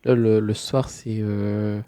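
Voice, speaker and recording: A man's voice: on the low side, slow. A man streaming a game live, chatting casually while he plays, stuffy from a cold. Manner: relaxed, mumbling asides, frequent fillers. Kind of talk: casual live gameplay chat.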